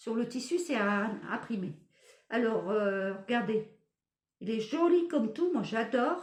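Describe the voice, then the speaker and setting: A woman speaks very slowly with a fairly high pitch and lively intonation. Her voice is somewhat breathy, broken by long, frequent pauses. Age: 60s. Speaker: fashion haul vlogger. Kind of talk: casual chat. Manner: animated.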